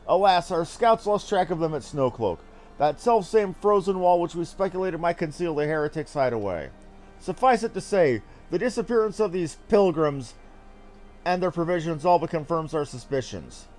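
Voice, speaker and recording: A man reading a fantasy game script aloud in a formal, theatrical, measured delivery. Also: a little high, a little mellow.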